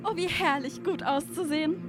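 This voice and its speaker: Radio play role: vain young blonde played by a woman, high voice, swooning and luxury-hungry, loud music underneath. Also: brisk, close to an everyday voice. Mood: swooning, elated.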